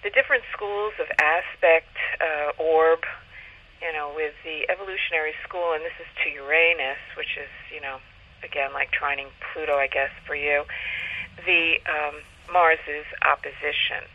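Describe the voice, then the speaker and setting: A man speaking as an interview guest, explaining in a halting way, thinking aloud with pauses. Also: on the high side, fairly even intonation. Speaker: guest astrologer. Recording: muffled, lo-fi call audio.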